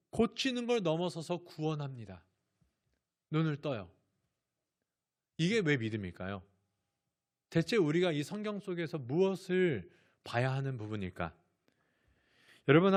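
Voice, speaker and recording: A man preaching a sermon in a fairly high voice, telling a story with dramatic swings between loud cries and hushed moments. He questions his listeners directly and acts out the figures he describes. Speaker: pastor.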